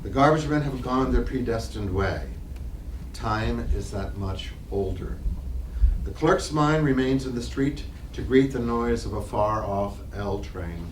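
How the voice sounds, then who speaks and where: A man's voice: mid-range voice, animated, measured pace. A man reading scripted literary stage directions as the narrator of a play reading. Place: library reading room. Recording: distant mic, echoey room, noisy.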